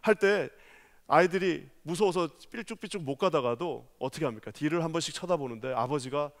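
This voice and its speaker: A man's voice: a little high, a little fast. A man preaching a passionate sermon as a pastor, raising his voice to act out the words of others. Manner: impassioned preaching, rising to loud taunting voices for quoted people. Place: large church sanctuary. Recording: long church reverb.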